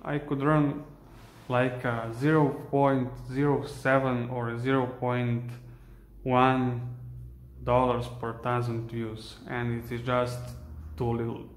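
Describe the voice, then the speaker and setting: A young man with a Serbian accent, a dog groomer chatting casually while he works, halting and searching for English words. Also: medium pitch, little pitch movement, slight background noise. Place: indoor grooming room. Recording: echoey room.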